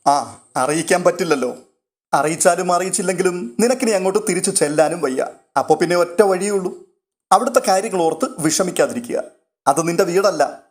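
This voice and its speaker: A man voicing a calm, protective old grandfather who soothes his granddaughter in a read-aloud story. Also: a little high, close to an everyday voice.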